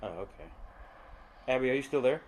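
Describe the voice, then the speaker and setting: A man's voice: mid-range voice, animated, brisk, a little mellow, rough recording. A young man hosting a casual podcast chat, hesitant and full of fillers and restarts. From Long Island, New York. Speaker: podcast host.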